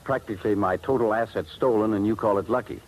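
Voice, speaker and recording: Actor as anxious low-voiced jeweler, old radio. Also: male voice, fast talker, a little mellow, close to an everyday voice. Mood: aggrieved. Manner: earnest, worried explaining. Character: anxious, aggrieved male jeweler, robbed and nearly ruined. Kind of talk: 1950s American radio drama acting. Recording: noisy vintage 1950s radio recording.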